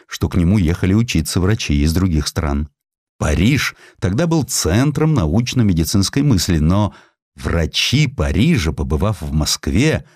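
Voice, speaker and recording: A man narrating a literary audiobook in an expressive, dramatic and emphatic storytelling manner. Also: low voice, no room sound, clean studio sound.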